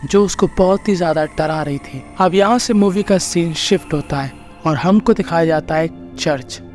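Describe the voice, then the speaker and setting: Male recap narrator, fairly high voice, chatty and wry, faint music bed. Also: moderate pace, a little mellow. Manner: chatty, jokey asides. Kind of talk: casual movie recap narration.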